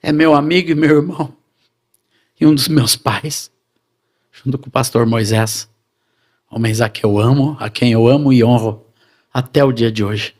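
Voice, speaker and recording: A man's voice: medium pitch, normal speed, pauses often. Brazilian man telling his testimony. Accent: Brazilian Portuguese. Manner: animated, addressing the congregation as brothers. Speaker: preacher giving testimony. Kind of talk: sermon testimony storytelling.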